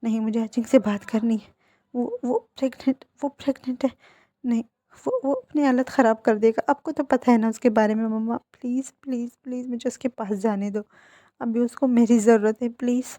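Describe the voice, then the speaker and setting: A woman's voice: a little high, normal speed, dark tone, natural voice. A woman voicing a desperate young man who begs his parents, stammering and repeating himself as she reads a fan fiction story. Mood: pleading.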